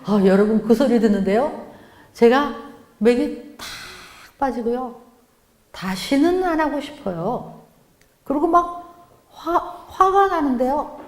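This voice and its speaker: A middle-aged woman speaking as guest lecturer at a church mothers' meeting, lively, acting out quoted family lines. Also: high voice, takes it slowly, long pauses. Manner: animated, acts out quoted lines of family members. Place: church sanctuary. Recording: echoey church hall.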